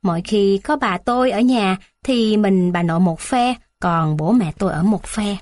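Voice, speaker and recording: Woman reading a kids story, steady and plain, dry sound. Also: mid-range voice, moderate pace, dry recording.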